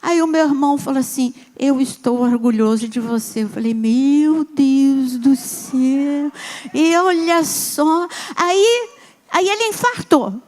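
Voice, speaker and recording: A woman's voice: sits high, slow pace, darkish tone. A woman from Brazil preaching, moving from prayerful declarations into chatty personal storytelling.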